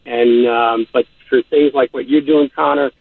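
An older man with a New York accent calling in to a radio talk show, speaking haltingly with many fillers. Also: medium pitch, fairly even intonation, creaky, breathy edge, no room sound. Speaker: caller. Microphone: telephone. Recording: phone line.

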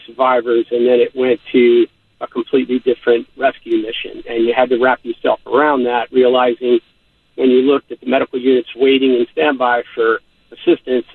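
An older man with a New York accent calling in to a radio talk show, speaking haltingly with many fillers. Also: mid-range voice, slightly rough, no echo. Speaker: caller. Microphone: telephone. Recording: phone line.

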